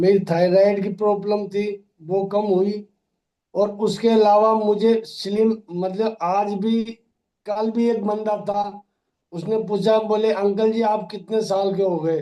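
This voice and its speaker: A man's high voice, dark and mellow in tone, with flat, monotone intonation. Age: 60s. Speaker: retired-age shopkeeper, wellness client. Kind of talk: interview testimony.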